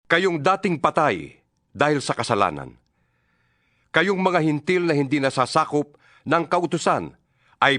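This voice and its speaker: A man with a Filipino accent voicing an earnest apostle in a dramatized scripture reading, solemn and emphatic, with measured phrasing. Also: mid-range voice, a bit bright, dry recording, clean studio sound. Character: earnest male apostle exhorting his followers by letter. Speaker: Bible reader voicing an apostle's letter.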